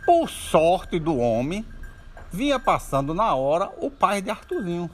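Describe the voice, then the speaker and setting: A man telling children's folk stories aloud in an animated way, with sound effects and asides. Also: sits high, unhurried. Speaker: storyteller. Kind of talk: oral children's storytelling.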